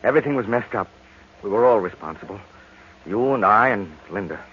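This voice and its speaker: Male actor as gentle, forgiving husband: slightly deep voice, earnest reassurance, dull hissy vintage radio recording. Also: lively intonation, brisk, natural voice. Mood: consoling. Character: soft-hearted, forgiving young husband, recovering from a wound. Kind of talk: old-time radio drama acting.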